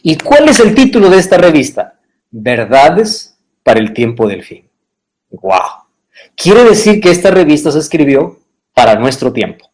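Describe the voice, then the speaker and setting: A man preaching as a pastor on a livestream, talking straight to viewers, checking often that they follow and spelling out numbers slowly. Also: fairly high pitch, rough recording. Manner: animated, addresses viewer directly with frequent checks.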